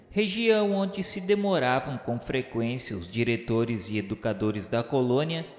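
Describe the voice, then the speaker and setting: A man's voice: medium pitch, natural voice. A Brazilian man playing a remorseful male spirit who narrates a radio novela in solemn, formal, literary diction. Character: remorseful male spirit of a suicide recalling the afterlife. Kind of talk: dramatized first-person narration of a radio novela. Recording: echoey hall reverb with music.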